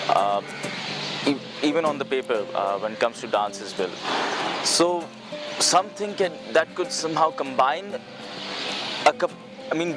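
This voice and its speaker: A man's voice: mid-range voice, poor audio. A man with a South Asian accent explaining his art in an interview, reflectively searching for his words. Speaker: theatre performer and group member. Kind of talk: explanatory interview talk mixing English and Urdu. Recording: loud music under speech.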